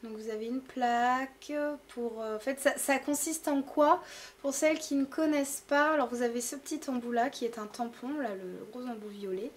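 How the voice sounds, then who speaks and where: A woman's voice: a little high, steady tone, moderate pace, a little hiss or hum. A woman chatting casually to camera about beauty products, hesitant and full of fillers. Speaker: beauty vlogger. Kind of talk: casual product haul talk.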